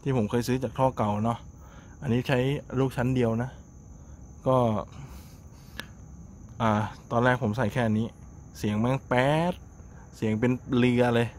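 A chatty man talks casually to camera by a roadside at night, exclaiming now and then. His voice sits at an ordinary middle pitch. Passing traffic and engine noise sound clearly behind him on the camera audio. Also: flat delivery, darkish tone. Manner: chatty, exclaims often, drawn-out asides. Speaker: motorcycle vlogger. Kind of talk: casual vlog commentary. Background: passing cars and engine noise.

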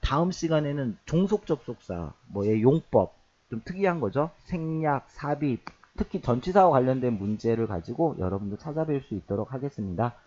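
A man teaching an English grammar lesson for exam prep. He explains step by step, asks questions and answers them himself, and reads English phrases slowly before translating them. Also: medium pitch, lively intonation, a little mellow, dull audio.

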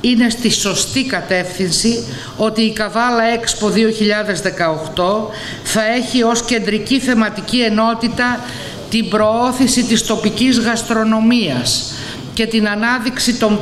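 An older woman reading a formal speech slowly and carefully. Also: a little high. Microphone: podium microphone. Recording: echoey hall, faint noise.

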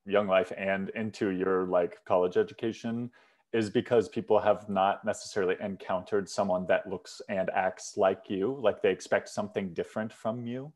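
A man's voice: sits low, fairly even intonation, moderate pace, darkish tone. A young man hosting an interview on a video call from his bedroom, asking rambling, thoughtful questions with lots of "like". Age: young adult. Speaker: host. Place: bedroom at home, indoors. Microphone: headset on a video call.

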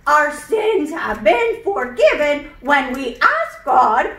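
A woman voicing a kindly, excitable teacher puppet in a children's church show, explaining things simply and emphatically with exaggerated cheer. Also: high-pitched, takes it slowly, exaggerated voice. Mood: gentle, instructive. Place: indoor church room, puppet stage. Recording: roomy, echoing church room.

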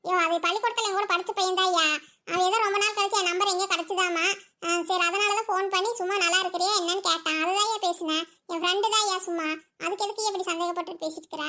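A woman's voice: very high-pitched, fairly even intonation, fast talker, bright, forceful tone. A woman voicing a chatty young village wife in a cartoon, with a Kongu Tamil accent and a sing-song, pleading way of talking. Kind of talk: cartoon voice acting.

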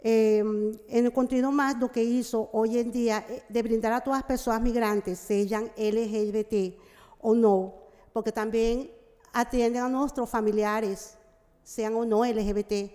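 A middle-aged woman gives a formal speech in a halting Portuguese-mix, stopping often to hesitate. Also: fairly high pitch, fairly even intonation, mellow. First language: Spanish. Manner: mixes Portuguese with Spanish (portunhol). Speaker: representative of a migrant community organization. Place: large wood-panelled legislative chamber, indoors. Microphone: gooseneck desk microphone. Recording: echoey hall with long reverb.

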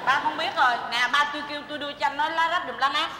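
The old man's sassy grown child, quick with teasing remarks. The voice is high and fast. It is recorded on an echoey stage with audible noise. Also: fairly even intonation, pushed and bright, some chatter behind. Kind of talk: stage comedy sketch. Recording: echoey stage with long reverb.

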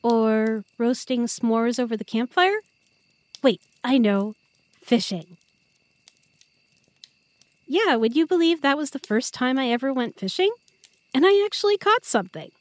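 A woman's voice: a little high, lively intonation, measured pace, long pauses, dry recording. A woman playing an affectionate, earnest young girlfriend in an intimate, chatty roleplay audio drama. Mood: cheerful, content. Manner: tender, chatty, playful.

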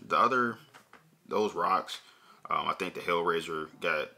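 A young man with a low, vocal-fried voice and a sharp tone takes his time as he hosts a bowling channel. Sitting indoors in a room at home with shelves, he chats casually in a review style, laid-back and rambling with plenty of fillers.

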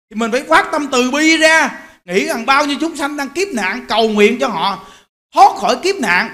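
Bright-voiced monk preaching in an animated, exhorting way. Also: male voice, very high-pitched. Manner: animated, exhorting the audience, direct. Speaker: Buddhist monk. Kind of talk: sermon.

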